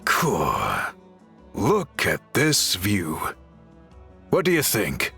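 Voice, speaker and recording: An expressive, courteous tribal craftsman. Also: fairly low pitch, full character voice. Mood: calm, inviting. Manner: polite, articulate, measured formal phrasing. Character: earnest, courteous male tribal craftsman and reformer. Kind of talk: video game voice acting. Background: background music.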